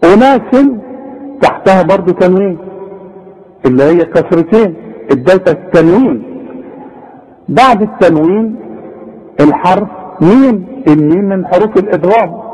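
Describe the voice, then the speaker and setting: A man with an Egyptian accent teaching Quran recitation, patiently correcting a student and demonstrating each sound slowly. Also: high voice, a little mellow, slightly rough, dull audio. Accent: Egyptian Arabic. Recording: long reverb, echoey room.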